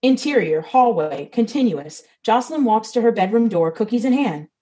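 A woman's voice: fairly high pitch, animated, normal speed, warm tone, rough recording. A woman reading the stage directions of a comedy script, matter-of-fact.

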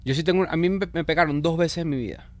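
Fast-talking joking Venezuelan man. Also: a little high, a little mellow. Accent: Venezuelan Spanish. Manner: quick, joking, storytelling. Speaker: comedian co-host. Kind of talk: casual podcast banter.

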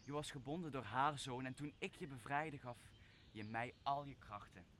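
A young man playing a wronged, commanding exiled sorcerer in a Dutch radio play, speaking solemnly and deliberately. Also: mid-range voice, a bit bright, a little hiss or hum, close to an everyday voice. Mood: commanding, brooding. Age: young adult. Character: wronged exiled sorcerer master, brooding and commanding, father figure. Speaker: drama student actor.

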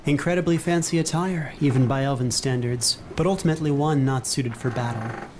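A man giving clear descriptive narration as game master of a tabletop role-playing game. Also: mid-range voice, a little fast, slight background noise.

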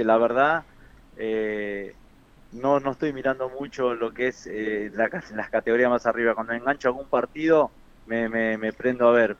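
Guest: male coach, mid pitch, halting, muffled lo-fi line. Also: clear, resonant tone. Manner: halting, with repeated words and fillers. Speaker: football coach and former player. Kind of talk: radio interview.

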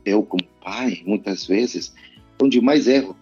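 A man's voice: fairly low pitch, slow, mellow, slightly rough, muffled recording, soft background music. A middle-aged Argentine man and pastor speaking Portuguese with a Spanish accent, talking earnestly and reflectively with hesitant "eh"s. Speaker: pastor and missionary. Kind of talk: casual podcast interview.

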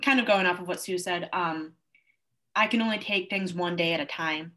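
A woman's voice: on the low side, moderate pace, sharp tone. A woman of twenty-one, a college student, talking as an interview guest in an earnest, upbeat way. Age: 20s. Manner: earnest, upbeat, with frequent fillers. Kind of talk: casual interview conversation.

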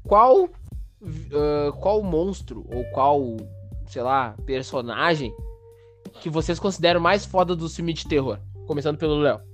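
A man, hosting a podcast and telling a story in a lively, slangy way. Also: fairly high pitch, unhurried, soft background music. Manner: animated, slangy, acts out sounds and voices. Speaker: podcast host. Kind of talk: casual storytelling.

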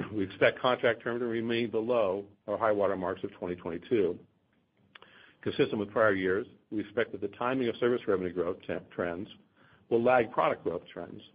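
A man with a fairly low, husky voice reads out prepared financial remarks on an earnings call. His delivery is formal and measured, and the audio is slightly dull, as from a conference line. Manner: formal, measured reading of figures. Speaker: company finance executive. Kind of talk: scripted earnings call presentation.

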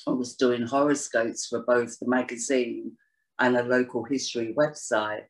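A woman's voice: rumbling low, steady tone, normal speed. Woman guest rambling on in a chatty interview, lots of you knows, starts over a lot. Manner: rambling, many "you know"s and restarts. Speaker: astrologer guest. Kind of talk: casual interview chat.

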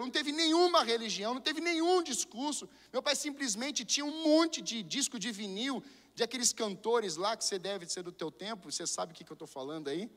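A man pastor with a Brazilian Portuguese accent preaching a sermon, moving between hushed storytelling and fervent shouting. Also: very high-pitched, long reverb tail.

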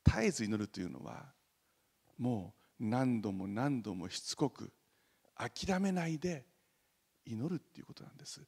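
Lively pastor preaching in a reverberant church. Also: male voice, lowish voice, normal speed, gravelly, husky. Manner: animated, acts out quoted voices loudly, jokes. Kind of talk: sermon. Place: church sanctuary.

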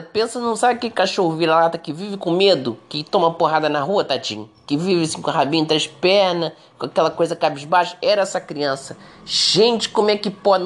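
A woman with a Brazilian accent, chatting casually to her followers and telling a story in an expressive way. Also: medium pitch. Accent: Brazilian Portuguese. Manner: chatty, expressive, many fillers like "gente". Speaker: vlogger.

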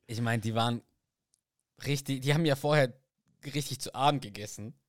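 A man's voice: mid-range voice, fairly quick, no echo, studio quality. A man co-hosting a casual podcast, retelling a sitcom episode and acting out the characters' lines in raised voices. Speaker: podcast co-host.

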